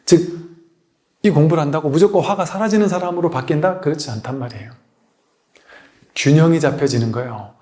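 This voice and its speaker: Male Buddhist teacher, a bit high-pitched, relaxed lecture style with anecdotes and rhetorical questions. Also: fairly quick, long pauses. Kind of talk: dharma lecture.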